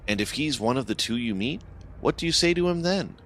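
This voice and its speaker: A man's voice: mid-range voice, lively intonation, brisk, fairly bright tone, a little hiss or hum, pitched above the performer's own voice, lightly acted. A man doing a grim older Spanish-speaking man. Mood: grim, probing.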